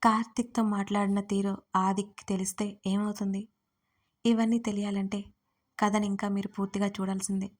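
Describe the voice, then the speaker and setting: A woman reads a first-person romance audio story in a dramatic storytelling manner. Her pitch stays narrow and flat, with little rise or fall. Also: normal speed.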